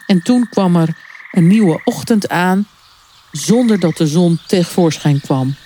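Slow, calm woman reading a story. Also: lowish voice, a little hiss or hum. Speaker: story reader. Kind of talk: reading a children's story aloud.

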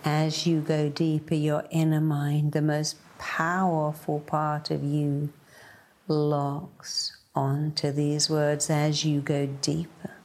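Slow, low-voiced woman guiding sleep meditation. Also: little pitch movement, a little mellow. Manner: soothing, deliberate, short phrases with pauses, repetitive. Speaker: meditation guide, hypnotherapy-style narrator.

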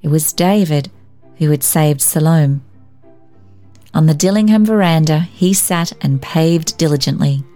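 Woman narrating a story, lower-pitched. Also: a little slow, dark tone, soft background music. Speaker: story narrator and podcast host. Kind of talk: expressive scripted literary narration.

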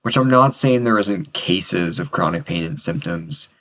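Deep voiced guy cohosting a podcast, jokey then calm and explainy. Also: unhurried. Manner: playful, explains calmly. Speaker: podcast co-host, therapist. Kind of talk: casual podcast chat.

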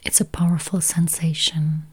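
A woman guiding a meditation in a soft whisper, counting and repeating slow, gentle phrases. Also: low-pitched, monotone, slightly rough. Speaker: meditation guide. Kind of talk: guided meditation.

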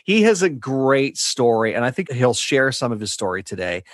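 A man's voice: mid-range voice, sing-song, normal speed, no echo. Podcast host man in a dry room. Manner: friendly, introduces the guest and explains the show logistics. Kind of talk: interview hosting.

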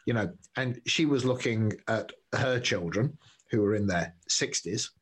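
A man in his fifties with a lowish, slightly husky voice reflects on growing older. He speaks thoughtfully, trails off, and laughs softly now and then, in an easy talk-show way. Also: a little slow. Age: 50s. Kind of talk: reflective conversation.

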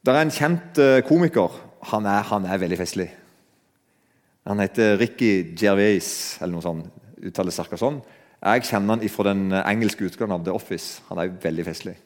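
Preaching in a conversational style, a man addresses his audience directly in a fairly low, slightly mellow voice. Long reverb from a hall surrounds the recording.

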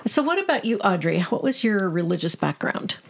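A woman's voice: mid-range voice, very animated, a little fast, creaky, slight background noise. An older woman co-hosting a podcast, asking earnest, probing questions in a conversational interview. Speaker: podcast co-host.

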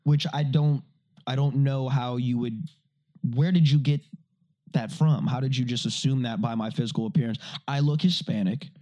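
Male podcast co-host, average pitch, crude animated raconteur. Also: moderate pace. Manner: profane, animated storytelling. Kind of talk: casual chat.

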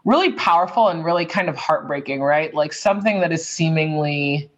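A woman from Boston, in her thirties, speaking as an interview guest in a warm, chatty way with frequent ums and likes. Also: low-pitched, brisk, lo-fi sound. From Boston, USA. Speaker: guest, tech author. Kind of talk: casual interview.

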